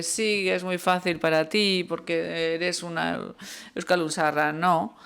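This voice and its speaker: Halting, gravelly panel interpreter. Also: medium pitch, fairly bright tone. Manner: halting, frequent fillers and self-corrections. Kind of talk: live interpretation of a panel talk.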